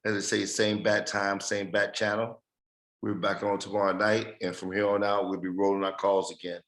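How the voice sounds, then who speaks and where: A man's voice: lowish voice, little pitch movement, normal speed, a bit bright. A man losing his voice, giving a rambling casual update to a team on a group call. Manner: rambling, repeats phrases. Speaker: project leader giving updates.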